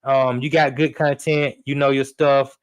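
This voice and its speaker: A man, a sports radio producer and host, talking in a relaxed way with fillers and repeats as a guest. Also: mid-range voice, measured pace, clear, resonant tone. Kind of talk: casual storytelling chat.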